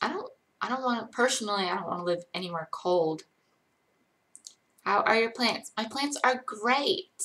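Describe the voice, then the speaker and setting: A bright, sharp tone in an American accent, with very wide pitch swings, a moderate pace and long, frequent pauses. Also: woman, fairly high pitch for a woman. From US South, Georgia. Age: 30s. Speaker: live streamer. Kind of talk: casual chat. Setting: live stream. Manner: casual, filler-heavy.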